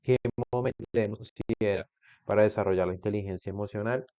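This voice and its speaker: Low, mellow-voiced male instructor. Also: fairly even intonation, fast, dry recording. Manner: explanatory, with restarts and questions to the student. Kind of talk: online class lecture. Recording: dull lo-fi recording.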